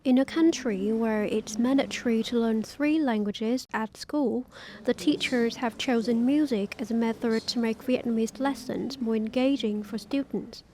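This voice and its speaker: Higher-voiced woman reporter voice-over. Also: moderate pace, low-quality recording. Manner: clear, even reporting tone. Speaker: news reporter. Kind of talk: scripted voice-over narration. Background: music bed.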